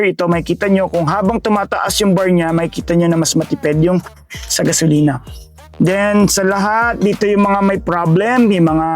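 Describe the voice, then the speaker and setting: A man with a Filipino accent giving a casual walkaround tour of a car's interior, explaining each feature step by step with many fillers. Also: high voice. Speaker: car sales presenter. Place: inside a parked car.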